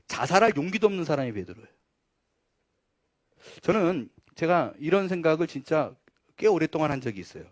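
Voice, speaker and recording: Animated, high-voiced preacher man. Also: brisk, pauses often, no echo, clean studio sound. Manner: animated, rhetorical questions, dramatic shifts. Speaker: pastor. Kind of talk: sermon. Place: church.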